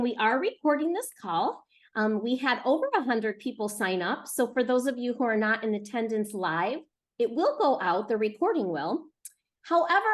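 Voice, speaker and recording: High-voiced woman hosting an online event. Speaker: book publisher hosting an author event. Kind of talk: addressing classrooms on a live call. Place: live video call.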